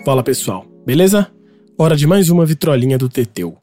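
A man's voice: a little high, big pitch swings, fairly quick. A man with a Brazilian Portuguese accent, hosting a casual podcast segment and giving chatty, opinionated music commentary.

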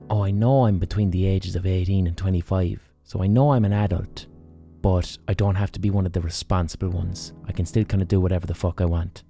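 A man's voice: sits low, warm tone. A man in his thirties hosting a solo podcast, talking bluntly and emphatically with frequent swearing. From Ireland. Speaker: podcast host.

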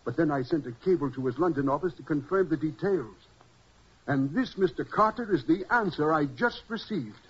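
An actor playing an anxious, courteous gentleman collector in a 1940s radio drama, formal and a little hesitant. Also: a little high, animated, normal speed, husky. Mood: worried. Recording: muffled vintage 1940s radio recording.

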